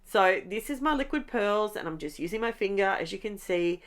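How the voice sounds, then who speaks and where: A woman's voice: medium pitch, animated, normal speed. Chatty Australian woman, bit stuffed up. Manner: chatty, enthusiastic, talks while crafting. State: congested nose, recovering voice. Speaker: scrapbooking channel host. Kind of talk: casual craft tutorial chat.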